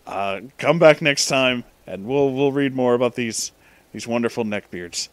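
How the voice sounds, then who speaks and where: A man's voice: medium pitch, measured pace, no room sound. A man hosting a casual comic read-aloud, informal and amused, with asides to the listener. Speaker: reader and host of a story-reading show.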